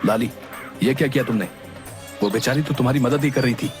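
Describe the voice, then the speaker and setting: A fretful young cartoon husband, voiced by a man, complaining in quick bursts. Loud background music plays behind him. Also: mid-range voice, lightly acted. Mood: exasperated.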